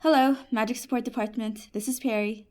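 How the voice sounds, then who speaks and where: High-voiced, patient genie support agent, played by a woman. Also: fairly even intonation, a little fast, a little mellow, slight background noise, close to an everyday voice. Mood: patient, businesslike. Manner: professional, patient, wry. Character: patient, helpful female genie working magic support desk. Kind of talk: fantasy comedy audio drama.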